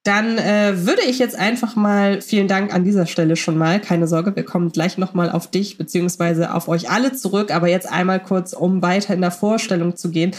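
A woman's voice: on the low side, steady tone, brisk, few pauses. A woman hosting a podcast in a conversational moderating style. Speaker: podcast host.

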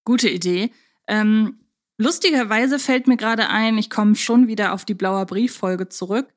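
A woman co-hosts a relaxed fan podcast. She talks in a chatty, reflective way, working out her thoughts as she speaks. The tone is conversational and lightly humorous. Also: mid-range voice, a little slow. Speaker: podcast host.

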